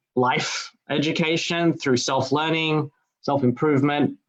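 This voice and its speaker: A man is talking. His accent is Australian. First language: not English. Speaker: digital marketer. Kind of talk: interview. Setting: livestream.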